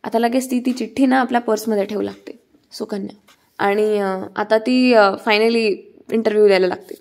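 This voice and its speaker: A woman's voice: medium pitch, fairly even intonation, normal speed, gravelly, darkish tone. A woman casually retelling a television serial episode in a chatty way, with many fillers. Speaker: serial recap narrator.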